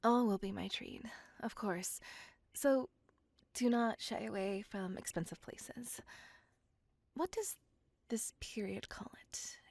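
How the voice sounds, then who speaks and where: A genteel, possessive ancient vampire woman, voiced by a woman, whispers slowly and intimately right against a close ASMR mic. Her hushed voice is gravelly and breathy. She speaks in formal, old-fashioned phrases and pleads softly. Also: mid-range voice, no echo. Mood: coaxing. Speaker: voice actor. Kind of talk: ASMR roleplay. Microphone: close ASMR microphone.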